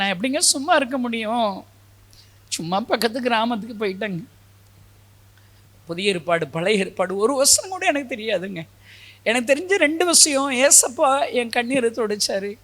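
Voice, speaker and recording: A high-pitched male preacher delivers a sermon with fervent conviction. His voice rises into loud, pleading prayer as he leads the congregation. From Tamil Nadu. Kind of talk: sermon with altar-call prayer.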